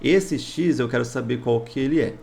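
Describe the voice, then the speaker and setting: Male, Brazilian accent, math teacher, gravelly creaky voice, mid pitch, didactic, question-and-answer explanations, step by step. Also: moderate pace, a little mellow. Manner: didactic, asks himself questions then answers, checks understanding. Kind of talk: explaining worked exercises step by step.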